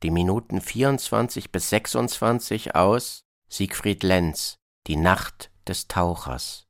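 A man presenting scripted narration in terse, fragmentary phrases with a deadpan delivery. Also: low voice, slow, no room sound, studio quality.

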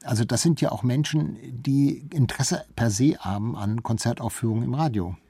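A man's voice: medium pitch, moderate pace, warm tone, husky, dry recording. A mature man speaking spontaneously as a guest in a discussion, explaining his points with hesitant phrasing and emphatic swings. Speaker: interview guest, public radio cultural journalist. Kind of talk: spontaneous panel-style discussion.

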